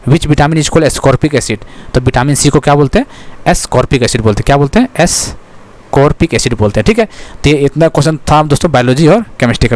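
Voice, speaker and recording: Man, exam coaching teacher, quick delivery, repeats questions, mid pitch. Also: a little mellow. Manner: repeats questions to the class, frequent "ठीक है" fillers. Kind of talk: fast exam-prep lecture.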